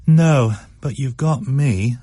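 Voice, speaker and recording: A man reading a radio story, voicing a brisk mother with a dry, scolding humour. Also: medium pitch, mellow, dry recording, pitched above the performer's own voice. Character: brisk, dry-witted mother, middle-aged.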